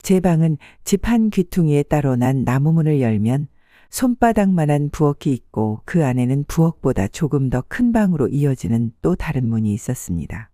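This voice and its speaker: A calm, measured narrator hosts an audiobook channel and tells a story in the first person. The tone is mellow and warm, and the recording is dry and close, with no room around it. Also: mid-range voice, no echo.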